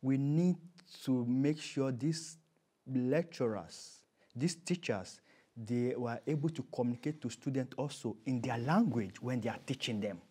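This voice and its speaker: Male interview guest, Nigerian accent, emphatic conversational delivery, mid-range pitch, leans on repetition to make his point. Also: a little slow, dark tone, slightly rough.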